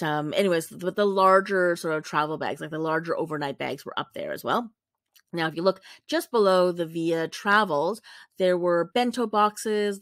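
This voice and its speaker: A woman's voice: fairly low pitch, dry recording, clean studio sound. A woman talking casually as a vlogger over photos, rambling and correcting herself with many fillers. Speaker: vlogger describing a warehouse sale.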